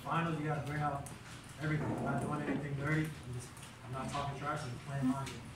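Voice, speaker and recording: Confident basketball player in an echoey room. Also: male voice, medium pitch, little pitch movement, fast talker, far from the mic. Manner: confident, casual, repeats words when starting sentences. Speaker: basketball player at a postgame press conference. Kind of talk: press conference answers. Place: press room with a backdrop, seated at a table. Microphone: table mics heard from a far camera. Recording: echoey room from afar, noisy.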